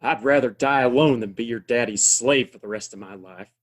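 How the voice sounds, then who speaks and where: A man acting a gruff, stubborn saloon owner in a Western audio play, with a husky voice. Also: mid-range voice, fairly quick, very noisy, natural voice. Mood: defiant.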